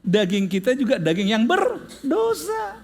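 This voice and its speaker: A man's voice: very high-pitched, wildly swooping pitch, measured pace, vocal fry, noisy background. A male pastor preaching a sermon, telling humorous stories and addressing the congregation directly.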